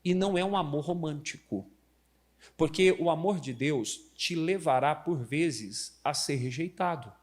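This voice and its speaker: A middle-aged Brazilian man preaching a lively sermon at a church service, telling family stories and asking the congregation questions. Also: a little high, measured pace. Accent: Brazilian Portuguese. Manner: animated storyteller, acts out family members' voices, asks the congregation questions. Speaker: pastor.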